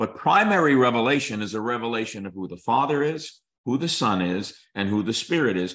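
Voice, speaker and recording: A man with an American accent speaks in an unremarkable speaking voice at a medium pitch, with lively intonation. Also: fairly quick pace. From New York City. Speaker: pastor and bishop. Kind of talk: interview conversation.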